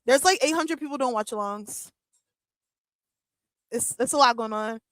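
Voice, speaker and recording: A woman's voice: fairly high pitch, normal speed, fairly bright tone, rough recording. A woman in her thirties chatting casually on a live wrestling watch-along, joking with her chat, laughing often and using lots of fillers. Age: 30s. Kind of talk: casual live-stream chat reading comments.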